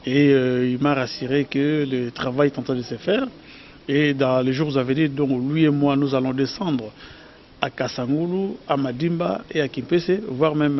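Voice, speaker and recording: A man from Kongo Central with a Congolese French accent, giving an earnest, measured press statement as an official. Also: medium pitch, a little hiss or hum. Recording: dull lo-fi news audio.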